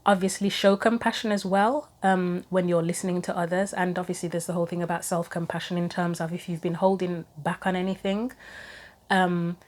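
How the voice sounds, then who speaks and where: A woman talks through a tarot spread for her viewers in a slightly low voice. Her throat is wearing out, so a hoarse edge creeps in. She muses casually and reads guidebook passages aloud. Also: flat delivery, a little fast, darkish tone. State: losing her voice, throat going. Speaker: tarot reader. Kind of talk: solo tarot reading for viewers.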